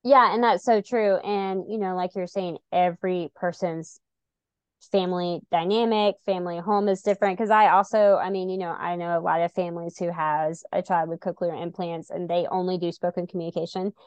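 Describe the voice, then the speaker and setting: A woman's voice: fairly low pitch, fairly even intonation, moderate pace, a little mellow, smooth, no room sound. A woman guest chatting casually about her family, with many "like" and "you know" fillers. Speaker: guest parent. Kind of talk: casual conversation.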